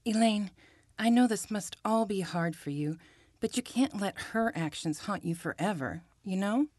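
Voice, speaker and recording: Woman playing a worried mom, middle-aged, mid-pitched, gently nagging, very dry recording, audio drama. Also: expressive, moderate pace, dry recording, close to an everyday voice. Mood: concerned, probing.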